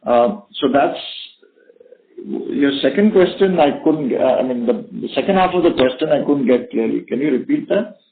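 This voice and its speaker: A male company executive answering questions on an earnings call, speaking haltingly and often tagging his statements with "right?". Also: mid-range voice, lively intonation. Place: conference call. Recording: narrowband phone conference line.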